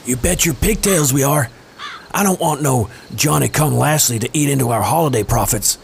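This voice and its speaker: A man's voice: medium pitch, brisk, gravelly, slight background noise, natural voice. A man playing a sardonic, foul-mouthed slacker hustler with a casual, slangy, wisecracking manner in an audio drama. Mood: scheming.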